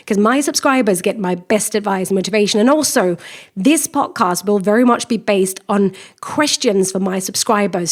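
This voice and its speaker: A woman in her forties from Denmark with a Danish accent, a career coach hosting her own podcast and talking straight to the listener in a lively, encouraging way. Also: on the high side. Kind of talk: solo podcast monologue.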